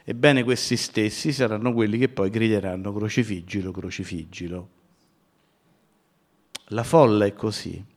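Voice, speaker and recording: A man preaching a sermon, who builds from calm teaching to loud, impassioned shouting as he addresses the congregation as brothers. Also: fairly low pitch, moderate pace, hardly any pauses.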